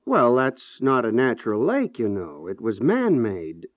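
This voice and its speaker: An actor in a 1950s radio comedy playing a measured property adviser who delivers bad news with deliberate, hesitant understatement. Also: male voice, mid-range voice, huge pitch swings, no room sound. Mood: apologetic understatement. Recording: dull 1950s radio recording.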